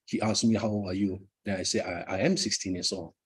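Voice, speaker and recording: A man's voice: lowish voice, steady tone, fairly quick. A middle-aged Malaysian man, a Malay native speaker, giving a live motivational talk at his book launch with frequent fillers and repeated words.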